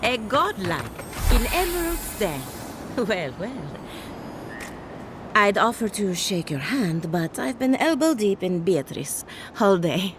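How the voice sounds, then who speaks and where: An actress playing a chatty, morbidly cheerful necromancer farmer in a fantasy game, wry and theatrical. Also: female voice, medium pitch, big pitch swings, takes it slowly, noisy background. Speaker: game character. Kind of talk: scripted video game dialogue.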